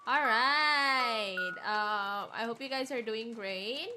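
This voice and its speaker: A woman livestream host chatting casually in a rambling, hesitant way with halting sentences. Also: on the high side, noisy background. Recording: music playing behind the voice. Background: clear background music.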